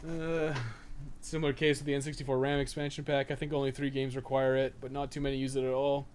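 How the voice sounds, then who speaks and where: A man's voice: mid-range voice, level tone, fast, darkish tone. A man chatting casually on a live game stream, rambling and wry, with loose, profane phrasing. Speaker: live streamer, podcast co-host. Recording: game audio noise behind voice.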